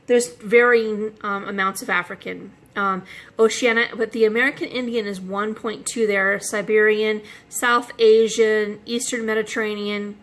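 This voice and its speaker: A woman in her forties talking casually to camera, rambling with many pauses and fillers as she thinks aloud. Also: a little high, a bit bright. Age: 40s. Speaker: vlogger.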